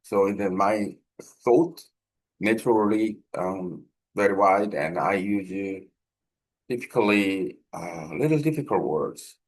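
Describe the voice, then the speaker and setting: Man, Korean accent, low-pitched, very slow, halting non-fluent English, informal explanatory monologue. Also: rough recording. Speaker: language learner explaining a speaking practice project.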